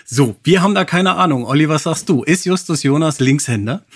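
Husky-voiced man hosting a podcast. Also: on the high side, expressive, fairly quick, dry recording, studio quality. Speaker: podcast host. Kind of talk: lively podcast chat.

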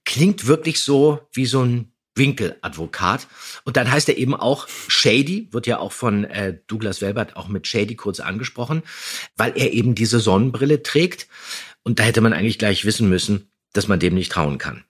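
Slightly husky man chatting on a podcast. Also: fairly low pitch, expressive, normal speed. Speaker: podcast co-host. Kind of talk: casual review chat.

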